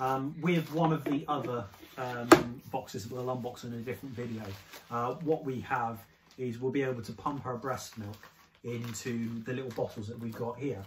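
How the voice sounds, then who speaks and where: Here a man talks with ordinary pitch variation. Noticeable background noise can be heard. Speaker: partner co-hosting unboxing. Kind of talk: casual unboxing explanation. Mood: relaxed, light humor. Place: home room. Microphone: camera far.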